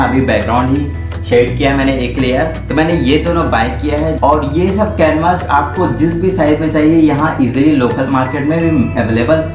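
A young man from central India talks casually to the camera as he shows off his art supplies, slipping English words into his chat. His voice sits at an everyday middle pitch. The room is echoey, with faint music underneath. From Raipur, Chhattisgarh, India. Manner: chatty and informal, mixing English words into Hindi. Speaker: art channel host.

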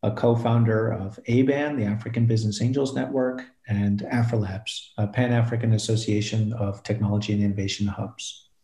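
Middle-aged man from New Mexico, warm dark tone, halting with fillers, echoey room on a call. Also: lowish voice. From New Mexico, USA. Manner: relaxed, hesitant with many uh fillers. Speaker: panelist, investor. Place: room at home. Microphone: video call.

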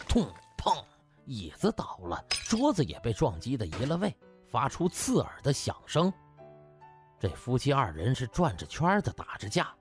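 With a husky, mid-range voice, a man narrates a comic audiobook in a theatrical, colloquial storyteller's style.

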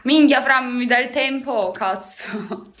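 A young woman with a high, fairly bright voice speaks slowly while hosting a phone livestream at home indoors, chatting casually with viewers and often swearing and laughing. A little hiss or hum is audible.

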